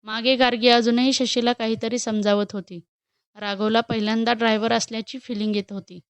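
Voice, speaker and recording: A woman narrating a romantic storybook in a steady, expressive reading voice. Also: a little high, fairly quick, clean tone, dry recording.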